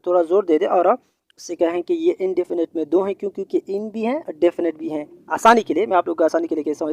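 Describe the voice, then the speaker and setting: A man teaching English grammar in a video lesson, explaining patiently, repeating points and pausing on hesitations. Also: high voice, vocal fry, dark tone, dry recording, lo-fi sound.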